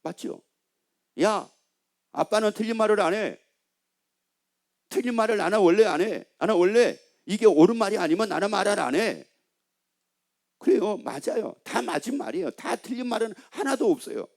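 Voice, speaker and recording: A man's voice: sits high, expressive, moderate pace, creaky, long pauses. A middle-aged male pastor preaching a sermon, asking the congregation questions and answering them himself, and acting out the lines of a scolding father.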